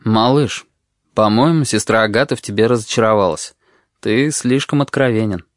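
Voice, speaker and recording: Man doing a worn-out older caretaker guy, soft but firm, dry close sound. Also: on the low side, normal speed, no echo, natural voice. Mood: weary. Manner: calm, weary, quietly firm. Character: tired older male caretaker, gentle but stern.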